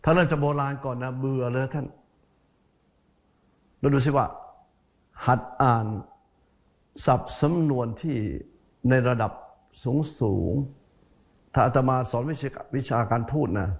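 Folksy Buddhist monk preaching. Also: male voice, mid-range voice, takes it slowly, creaky, long pauses, darkish tone. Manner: folksy, repeats words for emphasis; speaks to listeners directly as "sir". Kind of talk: sermon.

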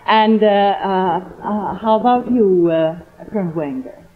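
An American woman hosting a 1950s radio interview, speaking politely and haltingly. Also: mid-range voice, a little hiss or hum. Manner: polite, halting, hesitant phrasing. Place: convention hall radio interview. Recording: tinny phone-like 1950s radio recording.

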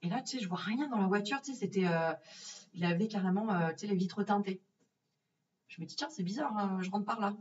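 A woman's voice: mid-range voice, brisk. Chatty French woman telling a travel story. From France. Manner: chatty, lively, many fillers and acted-out asides. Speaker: vlogger. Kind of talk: casual storytelling. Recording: distant, dull lo-fi sound.

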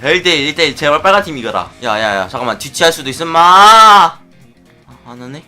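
A man giving excitable play-by-play commentary on his Minecraft minigames, often chanting and shouting as he plays. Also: fairly high pitch, rapid-fire, soft background music. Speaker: gaming YouTuber.

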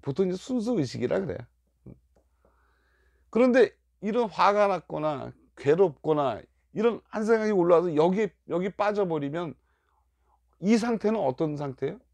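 A man's voice: high-pitched, lively intonation, moderate pace, gravelly, dry recording. An older man giving a Buddhist dharma lecture, repeating key phrases and acting out worried inner voices. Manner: emphatic, rising and falling loudness.

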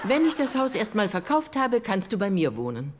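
A woman's voice: mid-range voice, big pitch swings, normal speed, slight background noise, lightly acted. An actress playing a cold, money-minded older mother, dry and sarcastic, in a dubbed sitcom. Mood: dry, businesslike.

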